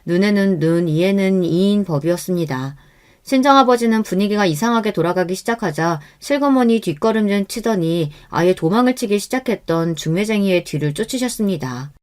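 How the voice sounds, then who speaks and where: A woman tells a first-person story in calm, even scripted narration. Her voice is mid-pitched and steady. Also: brisk.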